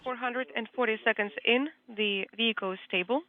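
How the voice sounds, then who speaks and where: A man's voice: very high-pitched, fairly even intonation, brisk, a little hiss or hum. A man making terse, clipped procedural calls over a breaking up space radio link. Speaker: crew and mission control on the radio loop. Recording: tinny narrow-band radio link.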